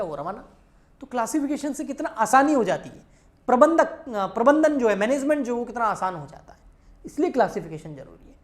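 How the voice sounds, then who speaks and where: Patient woman lecturing with a lilt. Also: a little high. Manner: explains patiently, checks in with students, addresses them familiarly. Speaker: accountancy teacher. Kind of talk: recorded exam-prep lecture.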